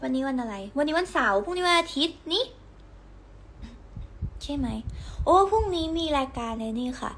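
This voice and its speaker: A young woman hosting a casual livestream from home, telling stories in a chatty, giggly, animated way. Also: high voice, moderate pace, pauses often, slight background noise. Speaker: idol livestream host.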